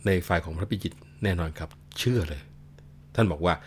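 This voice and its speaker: Male storyteller, deep voice, animated, conversational. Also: fairly quick, a little hiss or hum. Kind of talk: casual storytelling of a classic tale.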